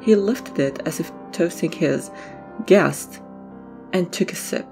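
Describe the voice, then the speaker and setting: A woman's voice: lowish voice, slow pace, over music. A woman narrating an audio drama in a scripted, storytelling read.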